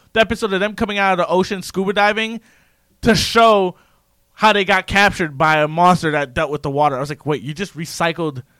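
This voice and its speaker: Raising and projecting his voice, a man with a high pitch and a bright, sharp tone talks at a very fast pace with lively intonation in a very clean recording with a silent background. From Massachusetts. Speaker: internet radio host. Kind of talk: casual chat. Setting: studio. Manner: animated.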